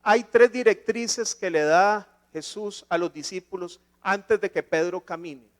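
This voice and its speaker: A man's voice: high voice, unhurried. A man pastor preaching a sermon in a church, asking rhetorical questions and rising to emphatic points.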